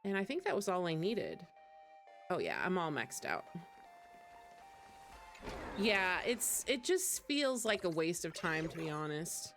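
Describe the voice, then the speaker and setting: A woman's voice: on the low side, very animated, unhurried, pauses often, a bit bright. A woman hosting a game livestream, chatting informally with viewers as she plays. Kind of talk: casual chat while gaming, replying to viewers. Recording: music playing behind the voice. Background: game music.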